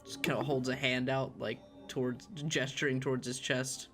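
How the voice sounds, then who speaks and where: A man playing a tabletop horror game, describing and voicing his character with a halting, filler-heavy way of talking. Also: mid-range voice, little pitch movement, a bit bright. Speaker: player voicing Vyacheslav. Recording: music playing underneath.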